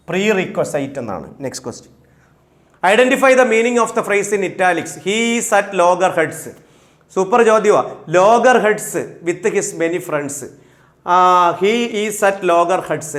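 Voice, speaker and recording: A male exam coach with a Malayalam accent, reading English questions out slowly and then explaining the answers quickly. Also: fairly high pitch. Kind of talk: recorded exam-prep lesson.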